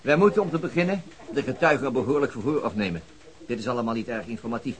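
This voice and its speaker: Radio play casting: man to play tired, understated detective inspector, medium pitch, halting and restrained. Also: close to an everyday voice. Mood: businesslike. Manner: hesitant, understated, with pauses. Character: weary male police inspector, restrained, terse. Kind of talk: Dutch radio drama acting.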